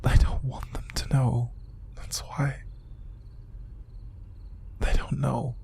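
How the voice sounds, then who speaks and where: A man acting an upset, exhausted young man in an intimate audio roleplay, speaking in a hushed, halting, breathy and gravelly voice. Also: mid-range voice, little pitch movement, in a whisper. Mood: tearful, defensive. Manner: halting, sighing, hushed, naturalistic delivery. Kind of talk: intimate audio roleplay monologue to an unseen listener.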